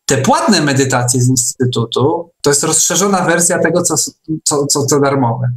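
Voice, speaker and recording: A man's voice: a little high, expressive, moderate pace. A man hosting an online meeting, talking casually and unscripted with frequent hesitations.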